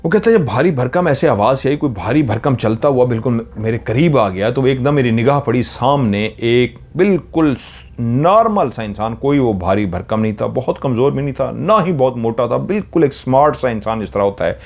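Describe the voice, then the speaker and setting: A man narrates a horror story in an unpolished, dramatic way. His voice sits at an average pitch for a man, and he often stops to correct a word. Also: expressive, normal speed, few pauses, a little mellow. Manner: dramatic retelling with self-corrections.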